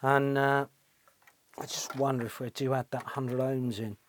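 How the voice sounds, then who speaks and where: In a small, cluttered electronics workshop, a middle-aged British technician who runs a repair channel comments casually as he works, musing aloud and adding tag questions. His voice is medium-pitched with little pitch movement and a slightly slow pace, with slight background noise.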